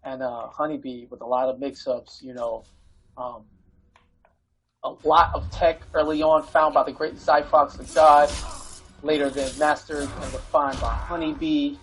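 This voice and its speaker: Male esports caster, slightly high and husky, playful banter between matches. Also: little pitch movement, measured pace, rough recording. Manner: loose, joking, hype bursts. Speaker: esports commentator. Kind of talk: fighting game commentary.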